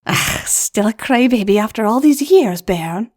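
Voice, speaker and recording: A woman's voice: fairly high pitch, animated, a little slow. Brusque goblin big sister with a put-on lilt, voiced by a woman narrator. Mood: rueful. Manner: brusque, teasing, softens to whispers. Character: tough older-sister female goblin mare.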